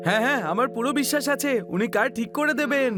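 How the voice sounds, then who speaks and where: A confident little cartoon sidekick in a very high voice. He talks fast and sounds determined, with music clearly behind him. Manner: brisk, determined, encouraging. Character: plucky, confident sidekick rallying his friends. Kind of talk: cartoon dub acting.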